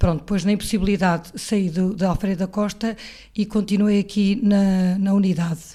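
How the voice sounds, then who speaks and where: A woman of medium pitch speaks at a moderate pace in a dark, mellow tone, somewhat breathy. The recording is very clean, with a silent background. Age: 60s. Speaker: hospice volunteer and physiotherapist. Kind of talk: interview conversation.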